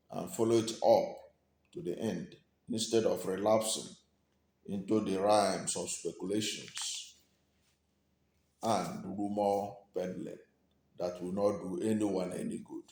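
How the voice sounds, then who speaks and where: A Nigerian man giving news commentary and reading out statements in deliberate, short emphatic phrases. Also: fairly low pitch, a little mellow. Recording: echoey room.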